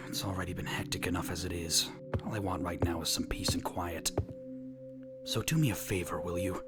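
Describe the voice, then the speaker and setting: A man voicing an irritable, brooding hedgehog loner, curt and cold, in an animated drama. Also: low voice, moderate pace, long pauses, loud music behind the voice, lightly acted. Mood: irritated, dismissive. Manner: curt, grumbling, heavy sighs.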